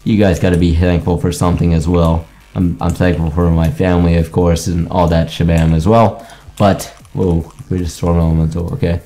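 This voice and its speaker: A young man from Greece with an American accent talks loosely over a game, restarting sentences and piling up fillers. His voice sits low and mellow, with a faint bed of music underneath. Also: level tone, normal speed. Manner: rambling, many restarts and fillers. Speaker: gaming YouTuber. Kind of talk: casual commentary over gameplay.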